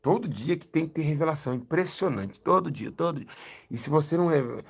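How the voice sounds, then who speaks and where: A young Brazilian man, a pastor, giving a lively church testimony and acting out the dialogue as he tells it. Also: fairly high pitch, fairly quick, vocal fry, husky. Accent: Brazilian Portuguese. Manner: animated storytelling, acting out dialogue.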